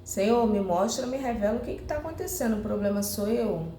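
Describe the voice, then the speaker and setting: A woman's voice: mid-range voice, expressive, a little fast, dark tone. A Brazilian woman preaching earnestly, often addressing her sisters and acting out heartfelt prayers. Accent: Brazilian Portuguese. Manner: earnest, repeating "irmãs" often; acts out heartfelt prayers to the Lord. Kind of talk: sermon. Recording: roomy echo, faint noise.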